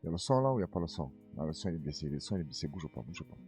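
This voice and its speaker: A man's voice: a bass voice, racing, music in the background. A man hosting a casual news commentary stream, reading viewer comments in a slangy, streetwise way. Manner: animated storyteller, voicing others in his tales.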